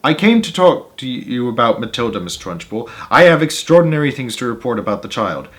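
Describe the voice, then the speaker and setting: A man's voice: mid-range voice, sing-song, fairly quick, close to an everyday voice. A man voicing a polite, earnest woman schoolteacher who pleads her case in a children's storybook reading. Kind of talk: children's storybook read-aloud.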